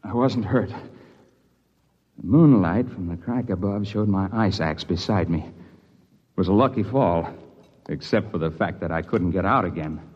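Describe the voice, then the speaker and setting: A man narrating a mountain adventure in the first person, steady and matter-of-fact, in an old radio drama style. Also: low-pitched, unhurried, long pauses, slightly rough. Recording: lo-fi old radio broadcast with music.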